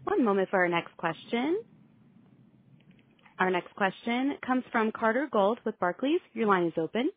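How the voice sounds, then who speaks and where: A woman's voice: fairly high pitch, very animated, normal speed, slight background noise. A woman working as a conference call operator, giving scripted announcements to introduce callers. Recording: tinny phone line.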